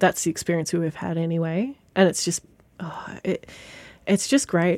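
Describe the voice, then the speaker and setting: A woman with an Australian accent, fairly low in pitch and dark, mellow in tone, in a very clean recording with a silent background. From Sale, Gippsland, Victoria, Australia. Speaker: nurse. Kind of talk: interview testimony.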